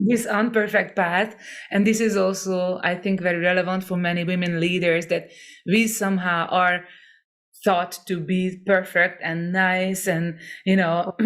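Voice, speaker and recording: A woman with a Hungarian accent speaks at a medium pitch and moderate pace in a monotone, flat intonation, with long, frequent pauses. The recording is very clean, with a silent background. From Hungary. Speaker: singer-songwriter and voice coach. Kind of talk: interview conversation.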